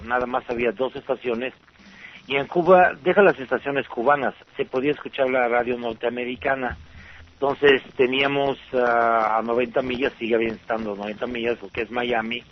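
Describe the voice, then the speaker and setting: A man's voice: medium pitch, a little hiss or hum. A man in his sixties, originally from Bulgaria, answers interview questions at length. He meanders with fillers and repeats himself as he gathers his thoughts. The recording sounds dull and lo-fi. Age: 60s. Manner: unhurried, rambling with fillers and restarts. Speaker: interview guest. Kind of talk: relaxed storytelling interview.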